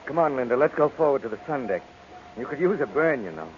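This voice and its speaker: An actor playing a brisk, reassuring but uneasy young husband in an old-time radio drama. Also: male voice, medium pitch, lively intonation, lightly acted. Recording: muffled, noisy old radio recording.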